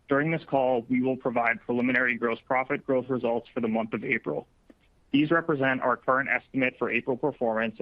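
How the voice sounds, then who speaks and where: A man formally reading legal disclaimers at the start of an earnings call, flat and businesslike. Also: medium pitch, dry recording. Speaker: investor relations presenter. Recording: dry, dull lo-fi audio stream.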